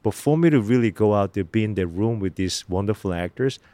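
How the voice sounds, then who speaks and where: A middle-aged man with a Korean accent, an actor answering interview questions in an earnest, halting way with many fillers and restarts. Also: on the low side, animated, warm tone, dry recording. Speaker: actor guest.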